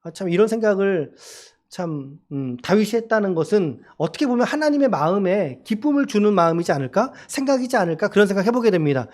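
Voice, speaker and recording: A man's voice: high-pitched, animated, fast, darkish tone. A man preaching a Sunday sermon as pastor, talking conversationally, asking the congregation questions, and acting out quoted dialogue. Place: church service.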